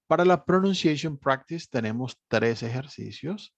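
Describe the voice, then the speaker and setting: Patient teacher explaining exercises. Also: male voice, mid-range voice, lively intonation, normal speed, creaky, no room sound. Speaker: English teacher. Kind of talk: online class walkthrough. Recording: dry, slightly dull recording.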